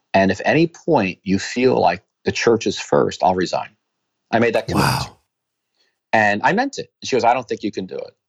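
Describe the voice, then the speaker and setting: A man speaks at a fairly quick pace with long, frequent pauses. His loudness swings widely. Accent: New York. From New York City (Queens), Italian American. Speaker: pastor and author. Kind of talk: interview conversation.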